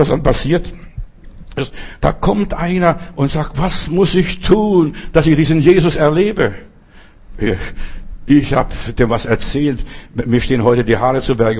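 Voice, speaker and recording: Husky preacher. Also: male voice, mid-range voice, a little mellow. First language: not German. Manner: fervent, repetitive, addresses listeners directly. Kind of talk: sermon with personal testimony.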